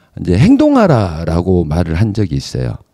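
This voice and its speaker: A man's dark, mellow voice at a fairly slow pace over a quiet background. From South Korea, Gwangju; South Korea. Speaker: activist group leader, army veteran; podcast guest. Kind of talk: interview. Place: studio. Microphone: studio mic.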